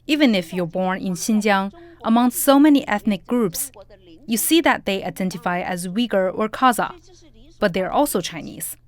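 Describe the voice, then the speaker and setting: A woman reading an English voice-over translation with a steady, even delivery. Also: medium pitch, moderate pace. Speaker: interpreter voice-over.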